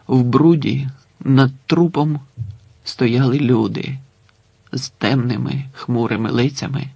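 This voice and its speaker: A man reading a literary story aloud in a measured, solemn manner. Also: mid-range voice, gravelly, warm tone, husky, no echo. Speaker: audiobook reader. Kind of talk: scripted literary narration.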